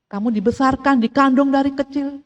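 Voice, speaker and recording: A middle-aged woman preaching a sermon, telling family stories with lively acted-out dialogue. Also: sits high, fairly quick, muffled recording. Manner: animated storytelling, acts out family dialogue. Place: church hall. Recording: echoey church hall.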